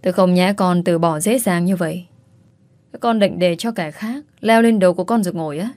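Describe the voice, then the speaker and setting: A woman's voice: lowish voice, a little fast, darkish tone, dry recording, natural voice. A woman voicing a scheming, bossy middle-aged mother in a spoken story. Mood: scolding. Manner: fussing, wailing, bossy. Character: scheming wealthy middle-aged mother pushing her daughter.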